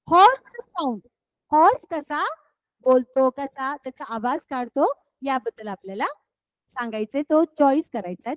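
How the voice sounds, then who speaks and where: A woman teacher with a Marathi accent guides children through an English lesson. She speaks at an unhurried, deliberate pace in a high voice and keeps repeating her questions to the class. The recording is dry and close to the mic. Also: no echo, low-quality recording. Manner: slow, deliberate explanations with repeated questions to pupils.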